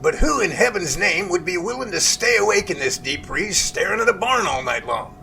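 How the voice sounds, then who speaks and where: Bright, animated, high-pitched folksy professor, acted by a man. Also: moderate pace, vocal fry, faint music behind, heavily acted. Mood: surprised, folksy. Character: male research professor, folksy, jovial, earnest, easily intrigued. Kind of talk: amateur audio drama dialogue.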